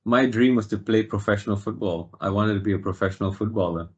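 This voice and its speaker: A man in his fifties from Singapore, answering interview questions in a measured, reflective way with frequent fillers. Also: fairly low pitch, lo-fi sound. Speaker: guest.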